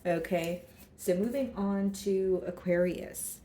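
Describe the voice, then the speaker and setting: A woman with a hoarse, scratchy throat reads tarot cards for her viewers, thinking aloud as each card turns up. Her voice sits fairly low and sounds mellow and soft-edged. The sound is roomy, with noticeable echo around her. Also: slow. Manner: thinks aloud while drawing cards, speaking straight to viewers. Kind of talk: casual tarot reading to camera.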